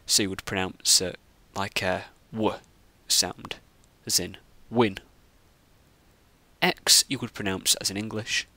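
A man teaching the Latin alphabet, explaining each letter slowly and carefully. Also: lowish voice, pushed and bright, dry recording. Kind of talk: scripted lesson narration.

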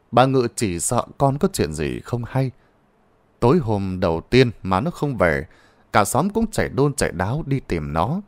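A man's voice: medium pitch, no room sound. A man narrating a ghost story in a dramatic, suspenseful manner.

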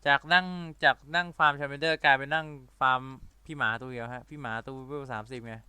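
A man giving excitable let's-play commentary, talking in rapid-fire bursts with playful loud exclamations. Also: mid-range voice, clear, resonant tone, no room sound. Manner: rapid-fire talker who admits he talks too fast and runs out of breath. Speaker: gaming video creator.

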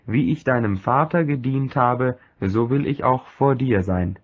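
A man's voice: medium pitch, unhurried, close to an everyday voice. A man reading the lines of a loyal, diplomatic friend of the king in an earnest, persuasive way. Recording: dull lo-fi recording.

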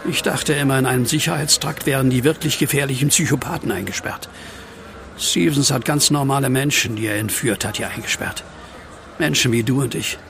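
A man's voice: medium pitch, brisk, vocal fry, a crowd in the background, natural voice. An actor playing a bewildered, horrified man on the run in a horror audio drama, dramatic and full of disbelief. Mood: bitter. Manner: incredulous, dramatic, questioning.

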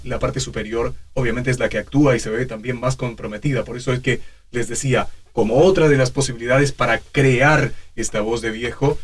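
A man in his forties giving informal, animated instruction as a voice coach in a small studio. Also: mid-range voice. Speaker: voice actor teaching a tutorial. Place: small home voice studio, indoors.

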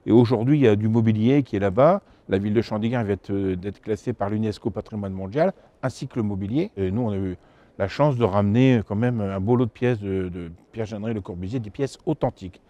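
A man's voice: fairly low pitch, fairly quick, warm tone, no room sound, dull audio. A man in his fifties from France, an antiques dealer answering informally in an interview. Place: exhibition hall stand, indoors. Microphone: lapel mic.

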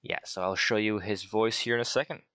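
A man's voice: fairly low pitch, steady tone, brisk, pushed and bright, clear, resonant tone, no echo. A man giving a casual spoken tutorial, rambling a little as he reads out settings. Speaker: tutorial creator.

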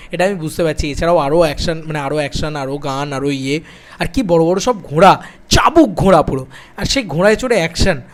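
A young man chatting to camera as a film vlogger, excited and piling up repeated phrases. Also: high-pitched. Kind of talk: casual direct-to-camera film chat.

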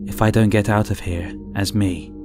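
A man reading an audiobook, voicing a frightened, trapped woman journalist who mutters urgently, swinging between loud outbursts and whispers. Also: fairly low pitch, steady tone, normal speed, over music, natural voice. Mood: frightened, desperate. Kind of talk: first-person audiobook reading.

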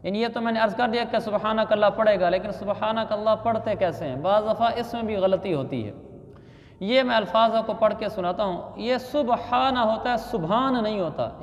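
A male Islamic scholar giving a religious lesson who corrects pronunciation and repeats words slowly and deliberately. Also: high voice, in a large hall, muffled recording. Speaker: Islamic scholar teaching prayer.

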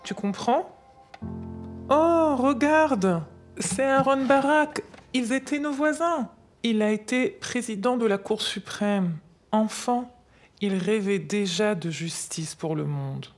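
Slow and on the high side, a woman voices a patient older grandmother who tells a child history as a story. The mood stays patient and explanatory over background music.

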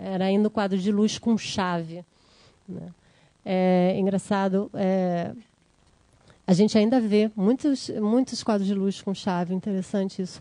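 A woman's voice: mid-range voice, darkish tone, no echo. A woman giving an academic lecture, explaining slides and checking in with the audience. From Brazil. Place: lecture room.

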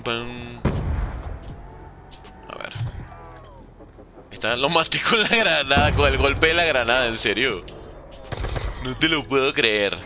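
A man streaming live gameplay, commenting and joking playfully with chat while using Mexican slang. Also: mid-range voice. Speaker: gaming streamer.

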